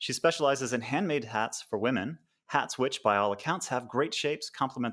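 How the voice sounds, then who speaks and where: Fairly quick and with lively intonation, a man with an American accent has an ordinary speaking voice on a very clean recording with a silent background. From United States. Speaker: podcast host. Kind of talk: scripted introduction; interview.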